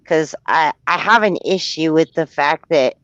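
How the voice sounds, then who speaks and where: A chatty woman talks in a smooth, clean voice that sits a little low for a woman. Her sound is dry and close, but the stream audio is muffled and lo-fi. She rambles, circling back and restarting as she thinks aloud. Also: unhurried, a bit bright, dry recording. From Texas. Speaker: caller on a livestream. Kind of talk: casual chat.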